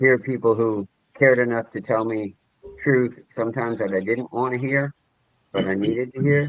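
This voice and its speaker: At a moderate pace and medium pitch, a man uses an ordinary speaking voice with fairly even intonation. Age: 60s. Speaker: support group member. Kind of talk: group discussion testimony.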